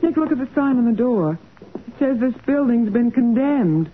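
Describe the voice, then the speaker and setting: A woman's voice: on the high side, lively intonation, normal speed, a little hiss or hum, natural voice. Female sidekick role for an actress: young, inquisitive, slightly skeptical, 1940s radio drama delivery on a dull old recording. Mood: wary. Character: detective's young female assistant, eager, inquisitive, slightly doubtful.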